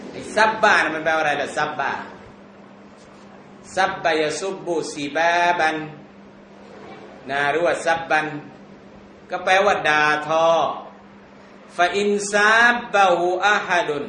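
Slow, bright-voiced male religious teacher. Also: on the high side, echoey room, slight background noise. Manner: slow, drawn-out recitation of Arabic words, then casual joking Thai explanation. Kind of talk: Thai lecture explaining an Arabic hadith text.

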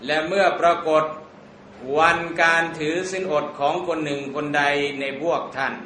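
A man teaching an Islamic text, drawing out Arabic words slowly, then explaining them in casual, joking talk. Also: fairly high pitch, bright, forceful tone, echoey room, a little hiss or hum. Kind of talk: Thai lecture explaining an Arabic hadith text.

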